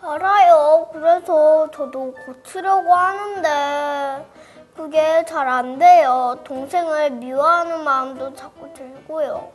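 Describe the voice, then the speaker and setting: A woman's voice: sits high, takes it slowly, soft background music, low-quality recording. A woman playing an earnest, candid little kindergarten girl in scripted children's program dialogue, speaking in a childlike way. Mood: sheepish.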